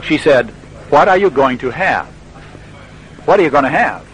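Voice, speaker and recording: An actor playing a friendly radio reporter in a scripted language-lesson dialogue, speaking clearly and patiently. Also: male voice, a little high, expressive, moderate pace, a bit bright, rough recording. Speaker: interviewer.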